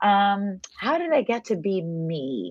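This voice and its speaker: A woman speaks with a Portuguese accent and lively intonation. Behind her, the background is quiet. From Brazil. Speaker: author and journalism teacher. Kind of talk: interview conversation. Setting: video call.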